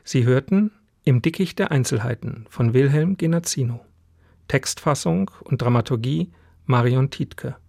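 A man's voice: mid-range voice, vocal fry, warm tone, no room sound. A man working as a radio announcer, reading scripted production credits in a studio. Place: dry broadcast studio.

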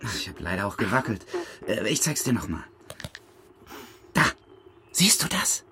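A man's voice: lowish voice, normal speed, slight background noise. An actor playing an eager, probing man investigating with a friend in a German radio crime drama. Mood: curious. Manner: probing, excitable.

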